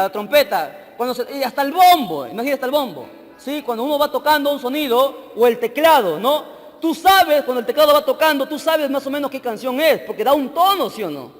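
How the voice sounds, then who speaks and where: A man with a strikingly high voice preaches a sermon as an evangelist, checking in with his listeners through short questions. He reads out loud and then drops to quiet asides. Long hall reverb trails behind him over faint music. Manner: teaching, asks the crowd short questions; swings between loud reading and quiet asides.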